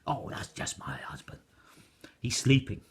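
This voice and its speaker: A man doing a shrill squealing giantess. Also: sing-song, measured pace, a little hiss or hum. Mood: shrill, brusque. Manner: high shrill squeals, brusque.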